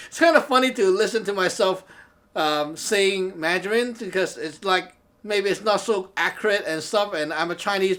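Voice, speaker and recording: The speaker is a chatty Hong Kong man with a high-pitched, slightly bright voice, a Taoist teacher and show host whose first language is Cantonese. Talking to camera in a casual talk show monologue, he laughs frequently and keeps asking "okay?".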